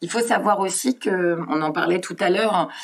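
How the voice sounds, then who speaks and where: The pace is fairly slow, with ordinary pitch variation. Noticeable background noise runs underneath. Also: woman. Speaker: storyteller and actress. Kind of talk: interview answer.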